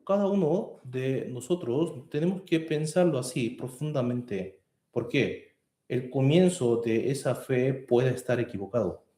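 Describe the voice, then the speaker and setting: A man preaching a sermon as pastor, earnest and rising to forceful emphasis. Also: medium pitch, measured pace, reverberant. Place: church hall.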